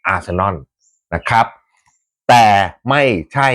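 Speaking slowly, a fan-channel host talks casually to his viewers about the transfer moves of his football club. He's chatty and animated, tossing in rough slang and frequent laughs.

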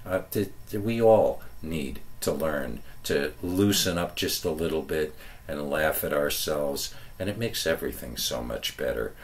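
A man hosting a podcast, rambling through an introduction in a halting way and repeating words. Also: a bass voice, lively intonation. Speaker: podcast host.

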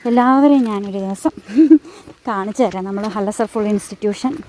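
A woman's voice: medium pitch, moderate pace, a little mellow, slight background noise. A woman in her thirties from Kerala, a college lecturer, narrating her family vlog in a homely, chatty way. She teases and coos at her family, and she records outdoors on a handheld phone while walking home.

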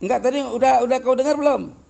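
A man's voice: very high voice, fast, vocal fry, a little mellow. A man arguing heatedly on a live stream, answering viewers in a taunting, confrontational, mocking way and chuckling between points. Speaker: livestream debater answering viewers.

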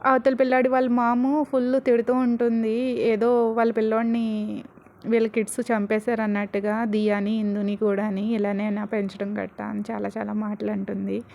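Chatty high-voiced woman storyteller. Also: level tone, normal speed, gravelly, darkish tone. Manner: chatty, conversational asides. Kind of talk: casual story narration.

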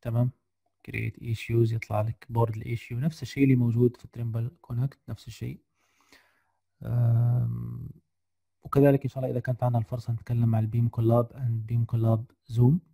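A man leading a software lesson over a video call, his voice gravelly and dark, audibly tired. He speaks flatly and hesitantly, filling pauses and mixing in English terms. The sound is dry and close. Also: mid-range voice, no echo. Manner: hesitant, many fillers, mixes English terms. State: tired, slightly unwell voice. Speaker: guest lecturer. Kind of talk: screen-share software lesson.

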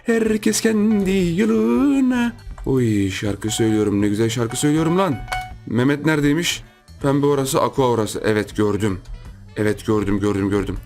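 A man hosting a gaming channel, giving lively gameplay commentary, repeating himself and yelping in surprise while chatting to his viewers. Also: medium pitch. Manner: excitable, repeats phrases, shouts in surprise; chatty, addresses viewers as friends.

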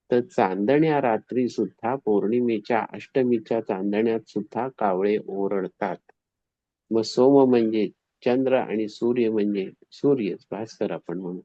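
A man telling a devotional story in an animated way, acting out the quoted voices. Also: medium pitch, dry recording. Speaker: spiritual storyteller. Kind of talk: devotional discourse. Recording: dull, dry, slightly lo-fi recording.

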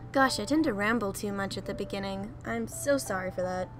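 A young woman hosting a let's play, rambling casually and laughing at herself as she clicks through game menus. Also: mid-range voice. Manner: chatty, giggly, self-deprecating. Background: soft background music.

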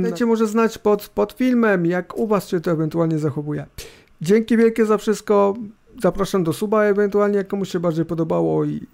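Indoors at his computer, a middle-aged man hosting a tech review video talks casually and unscripted over a screencast, rambling, hesitating and adding little tag questions. His fairly high voice is soft-edged with a gravelly creak, and a laptop fan hums and hisses in the recording.

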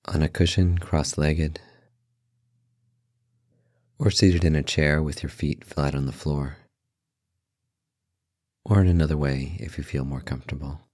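Male meditation guide: very deep, husky, calm, slow-paced delivery with pauses between brief instructions. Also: no room sound, clean studio sound. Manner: calm, unhurried pauses between short phrases.

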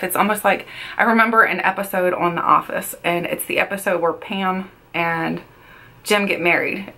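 A beauty vlogger in her thirties does her makeup at a desk in a small bedroom setup, chatting casually in a get-ready-with-me style. She repeats words for emphasis and says she feels she's losing her voice, which sounds lowish, pushed and bright.

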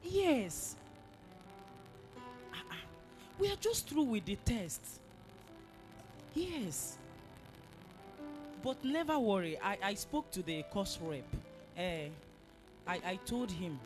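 Woman playing a young Christian student, firm, lively varied pitch. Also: slow pace, long pauses, over music. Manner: firm, scolding, preaching.

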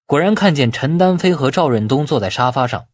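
A man reading a novel aloud as expressive scripted narration. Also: mid-range voice, a little fast, no echo, clean studio sound. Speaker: audiobook narrator.

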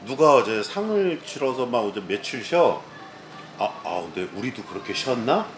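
A man's voice: medium pitch, big pitch swings, normal speed, faint music behind. A man telling rambling stories in casual drinking chat, acting out his own past outbursts. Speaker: streamer host. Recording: echoey room with background noise.

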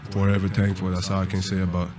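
A man's voice: low-pitched, monotone, very fast, background noise. A young man and college basketball player giving heartfelt postgame answers, searching for words and repeating himself, into a table mic. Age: young adult. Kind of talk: postgame press conference answers. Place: press conference room.

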